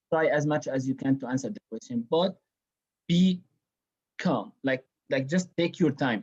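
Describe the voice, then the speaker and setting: A man giving casual, quick advice on interviews during a video call, with lots of fillers. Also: on the high side, darkish tone, breathy edge, highs cut off. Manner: quick, casual, many likes.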